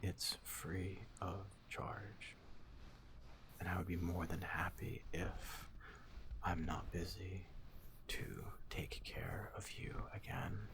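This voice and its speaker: A man plays a kindly robot doctor in an ASMR roleplay, caring and polite with patients. The voice is a deep, breathy whisper that stays very even and unhurried, soothing and reassuring. Faint noise sits behind it. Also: heavily acted. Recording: noticeable background noise.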